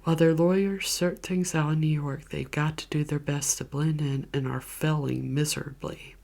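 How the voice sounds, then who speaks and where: A woman softly whispering chatty, gushing movie recommendations as an ASMR vlogger. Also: low voice, steady tone, normal speed, vocal fry. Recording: keyboard clicks and typing behind voice.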